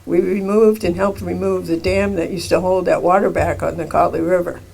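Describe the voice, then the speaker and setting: An older man giving a heartfelt, earnest public address at a rally in a deliberate way. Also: sits high, little pitch movement, gravelly, a little mellow. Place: outdoor rally. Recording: noisy outdoor event recording.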